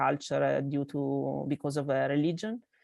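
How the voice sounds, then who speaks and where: A woman's very deep, low voice over a quiet background. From Italy (Milan). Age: 40s. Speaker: photographer and blogger. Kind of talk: podcast interview. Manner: halting, many fillers and repeats.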